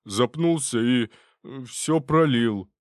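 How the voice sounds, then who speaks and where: A man voicing a clumsy, timid young male intern who mumbles slow, halting excuses. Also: lowish voice, expressive, no room sound, clean studio sound. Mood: sheepish.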